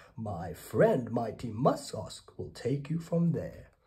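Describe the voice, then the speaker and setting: A man's growling put-on character voice at medium pitch and a fairly slow pace. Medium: read story. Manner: pompous.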